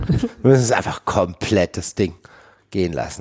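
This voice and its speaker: Here a man speaks at a moderate pace in a dark, mellow tone. His intonation is lively. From Munich, Germany. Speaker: film editor. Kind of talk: interview.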